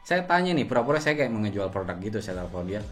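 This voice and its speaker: A man's voice: on the low side, very animated, rapid-fire, soft background music. A man hosting a product review, explaining things in an informal, conversational way. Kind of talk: casual scripted-feel gadget review to camera.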